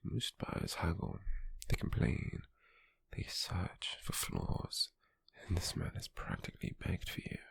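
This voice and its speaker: A British man playing a possessive, calculating, smug slave merchant in a hushed ASMR roleplay, with a husky, breathy, gravelly voice and a slow, deliberate delivery. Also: deep voice, big pitch swings, no room sound, full character voice. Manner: slow, deliberate, with lingering pauses.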